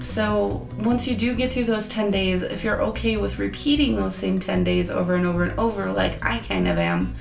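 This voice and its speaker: Young woman vlogger, hoarse and gravelly, earnest chatty review over guitar backing. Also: medium pitch. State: losing her voice. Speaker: app reviewer. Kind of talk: casual review vlog. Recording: echoey room with guitar music.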